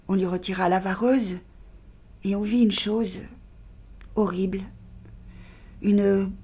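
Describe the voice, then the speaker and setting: A woman reads a dark story aloud in a husky, breathy voice of middling pitch. Her delivery is measured and dramatic, and at grim moments she sinks almost to a whisper. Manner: measured, dropping to a near-whisper in grim passages. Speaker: actress reading a short story. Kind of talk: dramatic literary reading.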